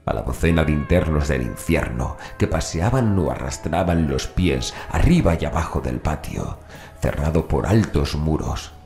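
A man with an extremely low voice narrates a horror audiobook. He reads a scripted story, and music plays faintly behind him. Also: lively intonation, moderate pace, darkish tone. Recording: voice over background music.

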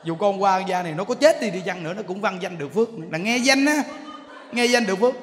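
A male monk giving a lively sermon, telling stories with laughter and mimicking voices. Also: high voice, fast. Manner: animated storytelling, laughing, mimicking others. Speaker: monk giving a dharma talk. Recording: long hall reverb, faint background noise.

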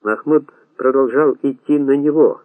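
A male audiobook narrator reads in a steady, dramatic manner at a middle pitch. The recording is thin and narrow, like a phone line. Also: normal speed, no room sound. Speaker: audiobook reader. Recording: tinny phone-like sound.

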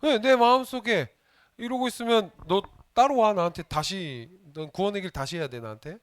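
Here a junior pastor pitched on the high side talks at a moderate pace with a fairly bright tone. His children's sermon is playful, peppered with questions for the kids and jokes at their level. There's no echo.

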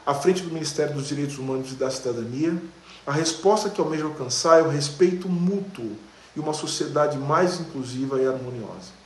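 Male official, formal video message, slightly high voice, echoey home room. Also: fairly quick, slight background noise. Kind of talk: prepared video statement.

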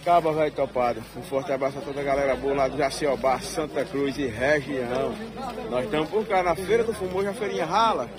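A man, hosting a casual vlog while walking a street market, chatty and drawn out as he quotes prices. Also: a little high. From Northeast Brazil. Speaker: channel host filming a market. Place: busy outdoor street market. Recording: outdoor street market crowd noise. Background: crowd chatter and traffic.

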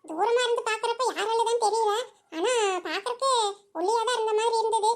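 A woman's voice: extremely high pitch, fairly quick. A woman voicing a nosy, insistent village gossip in a cartoon, talking breathlessly with chuckling asides. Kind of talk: cartoon voice acting.

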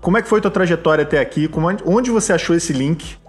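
A man's voice: on the high side, fast talker, faint music behind. A man in his thirties co-hosting over a video call, asking the guest a long, chatty question full of fillers. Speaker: co-host. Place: home room with bookshelves. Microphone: earphone mic on video call.

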